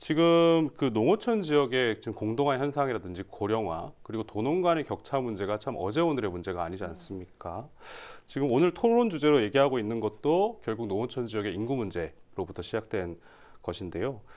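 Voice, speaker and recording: A man's pitch swings very widely. He speaks at a fairly quick pace. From South Korea, Gyeongnam region. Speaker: provincial council member. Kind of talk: political talk show discussion. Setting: studio. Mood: earnest, measured. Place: studio. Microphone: lapel.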